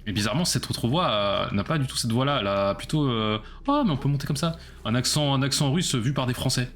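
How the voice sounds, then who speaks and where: A man's voice: medium pitch, lively intonation, fast, a bit bright, slight background noise. A man casually commenting on his own gameplay during a live stream, chatty and self-mocking as he talks to his chat.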